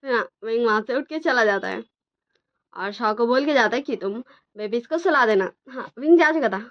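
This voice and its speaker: A woman's voice: a little high, lively intonation, normal speed. Chatty woman narrating a story, dull lo-fi sound. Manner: chatty, with frequent fillers and English words mixed in. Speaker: storyteller and channel author. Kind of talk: casual spoken story narration. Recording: dull lo-fi recording.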